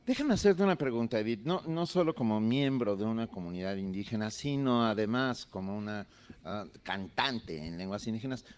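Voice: medium pitch, animated, normal speed, a little mellow, clean tone. A host at a live outdoor event, asking a guest a question.

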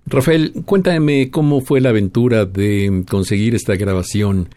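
Presentador de voz grave y seca. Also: male voice, on the low side, a little slow, mellow, no room sound. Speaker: radio host. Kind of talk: interview questions.

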